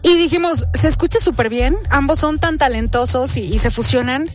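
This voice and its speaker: Woman radio host, lively and enthusiastic, fairly high voice, soft music behind. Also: moderate pace. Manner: lively, enthusiastic, rising questions. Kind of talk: casual interview chat. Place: radio studio booth.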